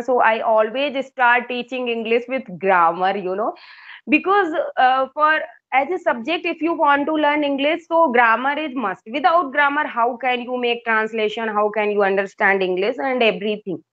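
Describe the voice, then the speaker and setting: A higher-pitched woman from India speaks English with an Indian accent, since Hindi is her first language. She keeps pausing with "uh" and "you know" and restarting her sentences. The sound is dull and lo-fi, like a call. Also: fairly bright tone. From Uttar Pradesh, India. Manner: hesitant, many fillers and restarts. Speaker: English tutor. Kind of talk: casual English conversation practice.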